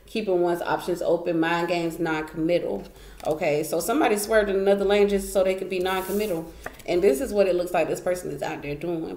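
A woman's voice: fairly low pitch, a little mellow. A woman doing a casual tarot card reading, chatty and emphatic, repeating phrases and laughing often. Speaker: tarot reader. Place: indoor room at a wooden table. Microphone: camera pointed down at the table, speaker off frame. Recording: echoey room, faint noise.

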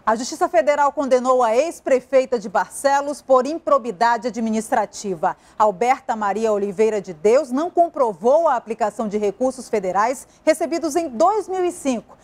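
A young female news anchor with a northern Brazilian accent, reading in a crisp, formal way in a TV studio on a lapel mic. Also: fairly high pitch. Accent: Brazilian Portuguese, northern.

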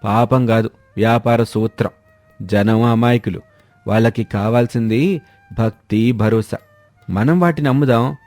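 A man's voice: mid-range voice, unhurried, darkish tone, dry recording, natural voice. A man playing a scheming idler husband who poses as a holy swami in a moral story, talking in a grandiose, persuasive, preachy way. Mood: scheming, boastful. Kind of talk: acted Telugu moral story dialogue. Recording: music behind a dry voice.

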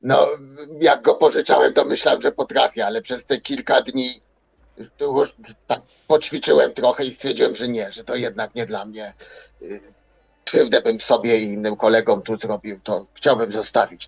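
A man's voice: mid-range voice, steady tone, moderate pace, gravelly, slightly rough, dull audio. A man roleplaying in a tabletop game, talking hesitantly and wordily and repeating himself. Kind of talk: improvised in-character roleplay.

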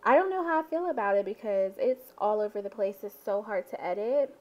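A woman's voice: mid-range voice, animated, a little fast, highs cut off. A young woman and mother chatting casually in a home vlog, rambling with lots of ums. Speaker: vlogger, mother. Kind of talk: casual family vlog chat. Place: home living room.

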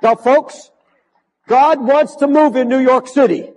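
Preaching a sermon in a large church, an older male pastor speaks in a voice pitched notably high for a man, with a darkish tone and a slightly slow pace. He builds into fervent, emphatic repetition. The hall's long reverb carries the sound, with a little hiss or hum underneath.

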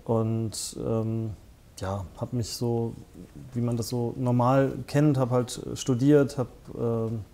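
A festival founder in his forties from northern Germany is a guest in a conversational studio interview on a small set with armchairs. His mid-range voice is level and dark, and he speaks slowly, hesitating with many fillers and restarts. He's recorded on a lapel mic.

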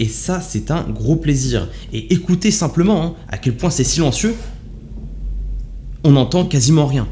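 A YouTube tech reviewer hosts a product unboxing on his channel with an enthusiastic, upbeat, salesy delivery. His voice is warm and medium-pitched.

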